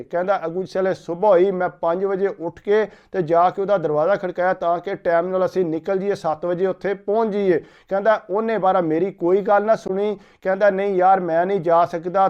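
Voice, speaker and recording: A man telling a folk story in a steady retelling manner, opening each line with "he said". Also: sits high, clear, resonant tone, dull audio.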